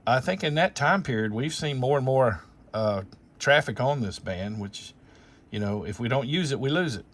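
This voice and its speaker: Medium-pitched and animated at a normal speed, a man hosts as an amateur radio operator. His casual talk wanders through technical details, explaining and thinking aloud along the way.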